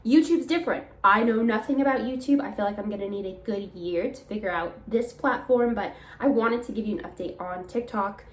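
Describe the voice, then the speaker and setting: Young woman, small business owner, chatty and rambling, slightly nasal, higher voice, roomy echo. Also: a little fast, hardly any pauses. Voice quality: chatty, rambling, laughs between phrases. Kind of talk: casual vlog chat. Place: home.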